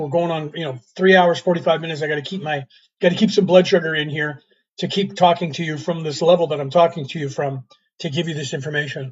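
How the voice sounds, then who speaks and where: Doing a put-on character voice, a raspy man talks at a very fast pace and fairly high pitch, with fairly even intonation and big swings in loudness. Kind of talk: casual, conversational. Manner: speaking with food in mouth, chewing.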